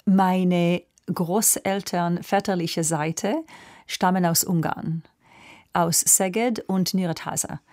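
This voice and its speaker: A woman opera singer from Israel with an Israeli accent, speaking slowly and thoughtfully in a radio interview, sometimes searching for words. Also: on the low side, fairly even intonation, a little mellow. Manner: slow, thoughtful, searching for words in a second language. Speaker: guest, opera soprano.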